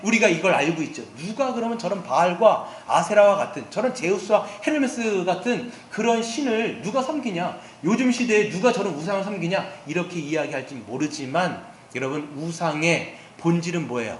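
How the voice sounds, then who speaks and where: High-voiced pastor preaching in an echoey church. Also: male voice, lively intonation, fairly quick, hardly any pauses. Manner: storytelling preacher, asks the congregation questions and acts out quotes. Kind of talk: sermon. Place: church sanctuary. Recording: echoey church hall with faint background noise.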